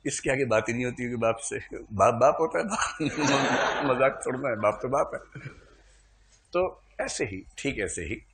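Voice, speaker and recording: A man's voice: mid-range voice, lively intonation, unhurried, noisy background. A man teaching a classroom lecture in a conversational way, mixing humorous asides with explanation and checking in with his students.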